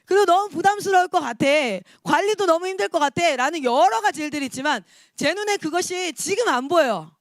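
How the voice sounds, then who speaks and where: High-voiced woman preaching with emphasis. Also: fast talker, dry recording, clean studio sound. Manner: lively, emphatic preaching with acted-out quotes. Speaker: missionary preacher. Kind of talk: sermon.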